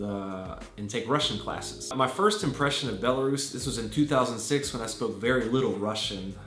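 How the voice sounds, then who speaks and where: A man's voice: lowish voice, fairly bright tone. A man in his thirties from Virginia with an American accent, an English teacher giving earnest, thoughtful interview answers full of small fillers and restarts. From Virginia, USA. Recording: echoey room with faint music.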